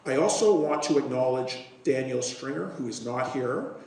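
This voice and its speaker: A man's voice: mid-range voice, normal speed, darkish tone. Strained-voiced man in a roomy hall. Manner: hesitant with many fillers when speaking off the cuff. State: voice strained from a recent illness. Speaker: city councillor giving remarks. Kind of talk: formal ceremonial speech. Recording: roomy hall, distant microphone, faint ambience.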